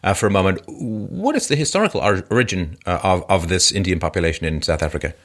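A male host interviewing a guest, talking quickly and cutting in with questions. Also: deep voice, lively intonation, a bit bright.

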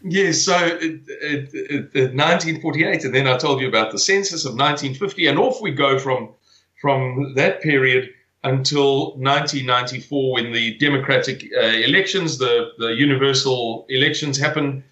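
Guest, man in his forties from South Africa, bright forceful tone, halting and repetitive delivery, roomy sound. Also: mid-range voice, highs cut off. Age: 40s. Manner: hesitant, repeats words while searching for them. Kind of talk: conversational interview.

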